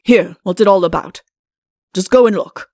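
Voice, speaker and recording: A woman's voice: medium pitch, moderate pace, darkish tone, no echo, studio quality, natural voice. Woman acting a pompous, stern fairy-tale king. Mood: irritated. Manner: imperious, curt, speechifying. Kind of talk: comic audiobook character voice.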